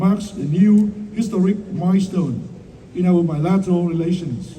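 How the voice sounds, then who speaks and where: A man with a high pitch speaks in a Vietnamese accent with fairly even intonation. Audible room echo and noticeable background noise surround him. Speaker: ambassador. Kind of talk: formal speech. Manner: formal.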